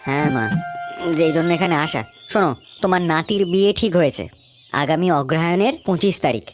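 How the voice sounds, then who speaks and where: An actor voicing an impatient middle-aged village son who scolds in a brusque way, with music playing behind. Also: male voice, a little high, brisk, close to an everyday voice. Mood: dismissive.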